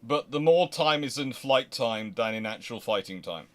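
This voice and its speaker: A man's voice: medium pitch, lively intonation, a bit bright. A man hosting a live question-and-answer talk on history, speaking off the cuff with frequent restarts and emphatic stresses. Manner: halting, restarts sentences, thinks aloud, emphatic stresses. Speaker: host of naval history channel.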